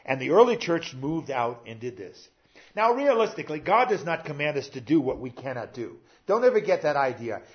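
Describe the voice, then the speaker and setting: An older man, a pastor, preaching a sermon in a conversational way, pausing with "uh" and talking straight to his congregation. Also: on the high side, lo-fi sound.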